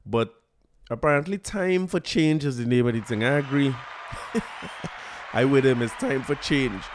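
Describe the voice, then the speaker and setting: A man's voice: medium pitch, normal speed, some chatter behind. A man with a Trinidadian accent hosting a podcast, talking casually and joking with frequent laughs and repeated words. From Trinidad and Tobago. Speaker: podcast host. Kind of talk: casual solo commentary.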